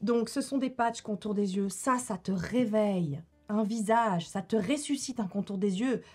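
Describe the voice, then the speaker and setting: A woman's voice: medium pitch, normal speed, a little mellow, husky, soft background music. A woman, chatting casually to camera about her favourite beauty products and laughing often. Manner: chatty, laughs often, repeats herself for effect. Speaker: beauty YouTuber.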